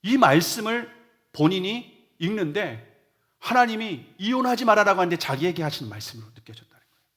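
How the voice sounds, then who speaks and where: A middle-aged male pastor giving a Sunday sermon in a church, telling a personal testimony earnestly and moving between loud emphasis and hushed near-whispers. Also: high-pitched. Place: church sanctuary.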